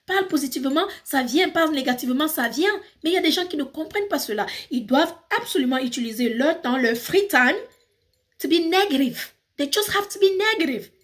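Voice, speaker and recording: High-voiced Cameroonian woman lecturing. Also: lively intonation, brisk. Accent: Cameroonian French. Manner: emphatic, lecturing, repeats her points. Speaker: vlogger. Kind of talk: direct-to-camera motivational rant.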